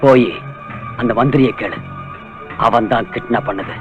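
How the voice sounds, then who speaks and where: An actor playing a restrained young police officer who speaks slowly and firmly, switching into English. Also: mid-range voice, highs cut off, lightly acted. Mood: defiant. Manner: slow, firm, switching to English. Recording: film soundtrack with clear music.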